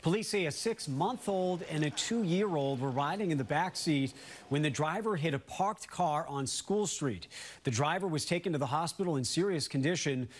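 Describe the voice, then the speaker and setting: Male news anchor, slightly high voice, scripted morning newscast delivery. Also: expressive, moderate pace.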